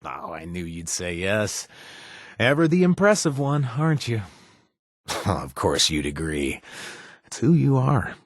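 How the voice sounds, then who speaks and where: Flirty joking game sidekick, low husky voice, bounces around a lot. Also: male voice, sing-song, a little slow, no room sound, studio quality, heavily acted. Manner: playful, teasing, flirty. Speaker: game companion character. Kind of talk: video game voice lines.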